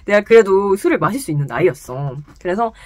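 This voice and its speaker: Lively young woman telling a story. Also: mid-range voice, a little fast, no room sound. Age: young adult. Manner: animated, laughs often, gestures while talking. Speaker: vlogger telling a personal story. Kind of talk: casual storytelling chat. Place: small room indoors with wooden wall. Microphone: camera close in front, sitting.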